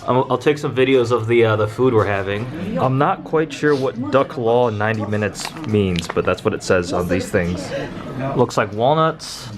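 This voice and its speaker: A man's voice: fairly low pitch, normal speed, a crowd in the background. A young American man narrating a casual car-spotting vlog as he walks, chatty and pointing things out. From United States. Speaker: car vlogger. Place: outdoors on city streets and in shops. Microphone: handheld camera mic.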